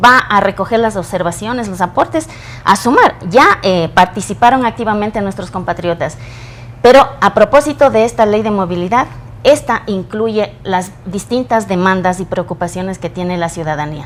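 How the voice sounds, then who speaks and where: Noticeable background noise runs behind a woman speaking at medium pitch. Her intonation is lively, and her pace is moderate. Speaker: legislator representing emigrants. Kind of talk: interview.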